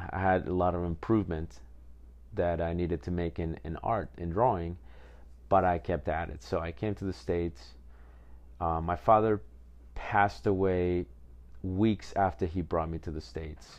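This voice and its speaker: The speech moves at a moderate pace with ordinary pitch variation. Long pauses come often. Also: man, very deep, low pitch for a man. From Peru, moved to US around age 12-13. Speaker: dog trainer. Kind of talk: solo podcast monologue. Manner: halting, many fillers.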